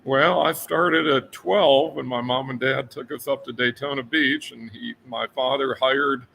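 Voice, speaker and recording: An older man from Florida talks as a guest on a show. His voice is gravelly and bright, and he speaks earnestly and unhurriedly, with many fillers. A faint hiss of noise sits behind him. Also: medium pitch, steady tone, unhurried, rough recording. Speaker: guest author. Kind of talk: casual interview chat.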